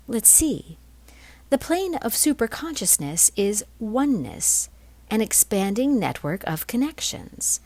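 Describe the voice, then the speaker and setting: A woman reading a spiritual text aloud as scripted narration, in measured phrases with deliberate pauses. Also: medium pitch, a little mellow, no room sound. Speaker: reader of a spiritual blog.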